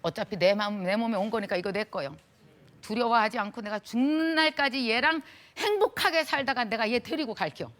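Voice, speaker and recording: A woman's voice: a little high, a little fast, fairly bright tone, close to an everyday voice. A woman voicing an elderly bedridden mother in her seventies, who talks plainly and homely to her daughter with cheerful resolve. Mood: resolute.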